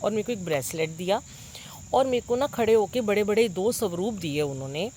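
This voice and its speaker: A middle-aged woman telling a congregation about a dream. She sounds full of wonder and earnest, with lots of pauses and fillers, recorded on a phone propped nearby. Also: mid-range voice, lively intonation, mellow, slight background noise. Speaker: devotee sharing a dream with a congregation. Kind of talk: devotional storytelling.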